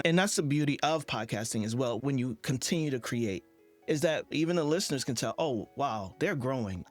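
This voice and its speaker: A man speaking as a podcast host in a conversational interview. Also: fairly high pitch.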